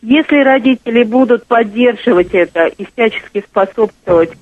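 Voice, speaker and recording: A woman's voice: a little high, normal speed, slight background noise. Hesitant woman on a tinny phone line. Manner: hesitant, with many fillers. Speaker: journalist and guest. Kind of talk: phone-in interview. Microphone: telephone.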